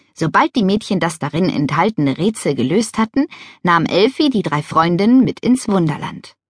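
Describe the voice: Lively intonation stands out. The delivery is plain reading aloud.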